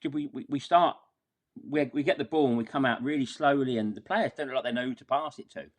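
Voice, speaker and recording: A man's voice: medium pitch, quick pace. A man talking casually through a football match as a podcast guest, wordy and exasperated, often repeating words as he goes.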